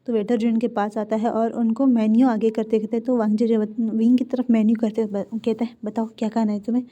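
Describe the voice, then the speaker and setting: A woman's voice: on the high side, level tone, fairly quick, warm tone. A woman casually narrating a fan fiction story, chatty and often correcting herself. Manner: chatty, self-correcting retelling. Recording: dull lo-fi recording.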